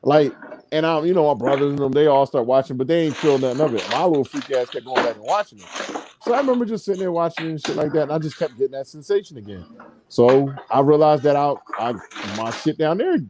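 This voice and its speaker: A man with a somewhat high voice that swings widely up and down as he spins a profane story on a podcast. He laughs often and talks loosely over a video call stream. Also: expressive, fast talker, noisy background. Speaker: podcast host. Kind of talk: casual storytelling chat.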